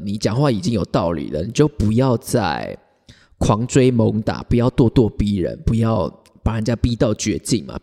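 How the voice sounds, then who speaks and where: A man tells a story in casual podcast chat. His mellow voice rises and falls a lot and breaks into laughter often. It rings with a long, echoey reverb. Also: fairly low pitch. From Taiwan. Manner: animated, laughs often, acts out quoted arguments. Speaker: podcast host.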